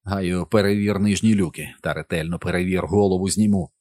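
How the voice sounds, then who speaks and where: A man's voice: sits low, fairly even intonation, fairly quick, a little mellow, dry recording. A man voicing a commanding young soldier who gives firm orders, in an audiobook.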